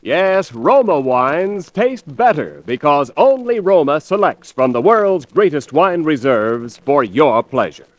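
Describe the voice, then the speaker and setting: A man reading the sponsor's commercial on a 1940s radio broadcast in a smooth, persuasive delivery. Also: a little high, sing-song, slow pace, hardly any pauses. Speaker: sponsor announcer. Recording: dry, dull old radio broadcast.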